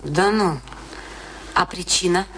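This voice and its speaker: A woman's voice: fairly low pitch, slow pace, fairly bright tone, slight background noise, low-quality recording. An actress playing a bitter, defiant middle-aged wife in a radio play, answering her husband with terse, dry retorts. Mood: cool, defiant.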